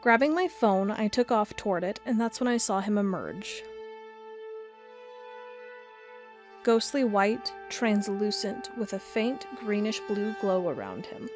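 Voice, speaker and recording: A woman playing an earnest cryptid blogger, telling a first-person account in a measured storytelling way for an audio drama. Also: mid-range voice, lively intonation, music in the background, lightly acted. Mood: awed. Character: earnest female cryptid blogger, awed amateur monster hunter.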